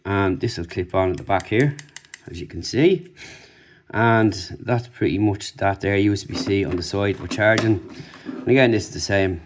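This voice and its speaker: A man's voice: lowish voice, normal speed, a little hiss or hum. A man giving a casual, off-the-cuff product review, informally talking through what he is showing. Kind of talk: casual unboxing and review commentary.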